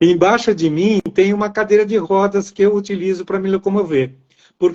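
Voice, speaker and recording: A man talks at a moderate pace. His high pitch moves in an ordinary way. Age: 60s. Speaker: adaptive sports athlete and NGO representative. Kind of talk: casual interview on a live stream. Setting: video call live stream from home.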